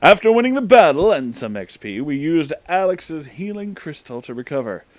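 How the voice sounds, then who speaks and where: A man's voice: on the high side, big pitch swings, normal speed. A man narrating a comic story aloud in a dramatic reading style, as the show's reader.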